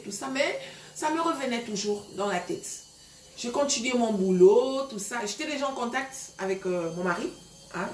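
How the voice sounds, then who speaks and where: A woman's voice: mid-range voice, slight background noise. A woman in her thirties from Gabon, casually telling a story to her viewers with lots of fillers. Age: 30s. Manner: chatty, many fillers, addresses viewers directly. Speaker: vlogger giving relationship advice. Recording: echoey room.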